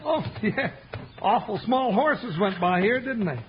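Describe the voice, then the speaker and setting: An actor playing a folksy, grumbling comic sidekick in a radio western. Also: male voice, high voice, animated, a little slow. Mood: folksy, puzzled. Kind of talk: 1950s radio western acting. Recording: dull, noisy old radio recording.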